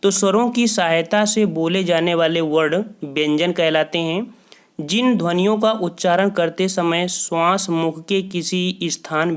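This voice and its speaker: A man teaches an exam-prep lesson in a smooth, resonant voice. His voice sits a little high. He keeps asking questions and answering them himself. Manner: explains with rhetorical questions and "theek hai" checks.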